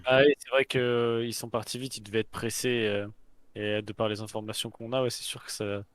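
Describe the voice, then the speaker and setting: A man playing in a tabletop role-playing game, thinking aloud in a relaxed way as he chats casually. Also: medium pitch, brisk, no echo. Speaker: player.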